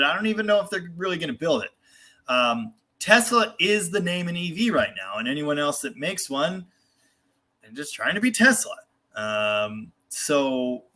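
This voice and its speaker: An American man with a bright, forward voice at a middle pitch hosts a casual livestream. He rambles candidly through replies to viewers and is quick to poke fun at himself. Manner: rambling, candid, self-deprecating; mild swearing. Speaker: host of a live car show. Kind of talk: casual livestream chat, answering viewer comments.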